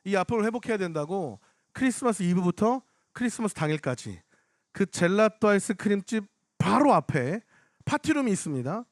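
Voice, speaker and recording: Young guy pastor preaching outside, high voice that jumps all over, dry close sound. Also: no room sound. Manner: animated storytelling, acts out other people's lines. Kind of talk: storytelling sermon at a prayer rally. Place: outdoor public square.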